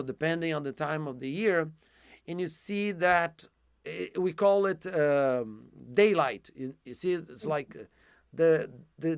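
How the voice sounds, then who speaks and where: A male English teacher explaining vocabulary slowly over a video call, with plenty of ums and restarts. His voice sits a little high and sounds dry and close, and he is starting to lose it. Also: clean tone, dry recording. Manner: patient explaining, with frequent fillers and restarts. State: losing his voice. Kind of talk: live online one-to-one English lesson.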